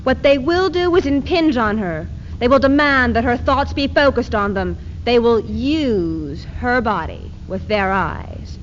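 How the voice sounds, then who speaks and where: In a readers theater piece, an actress plays a defiant feminist, reciting in a high-pitched voice with declamatory emphasis. She sounds animated, grave and indignant, keeping a measured pace with few pauses. The old archive recording is muffled, with faint hiss.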